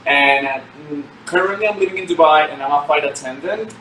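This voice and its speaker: A young man from Venezuela, his first tongue, answers interview questions earnestly over a video call. His voice sits a little high and rings in an echoey room with faint noise behind. He reaches for words with fillers and restarts. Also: a little fast, bright, forceful tone. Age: 20s. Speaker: guest, pageant winner.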